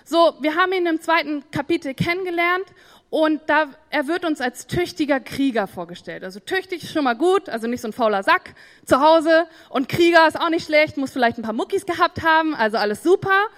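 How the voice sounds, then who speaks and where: A young woman preaches in a lively, chatty way and keeps turning to her listeners. Her voice sits a little high. It rings out with a long hall reverb behind it. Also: brisk. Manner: lively, conversational, talks to the audience. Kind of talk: sermon.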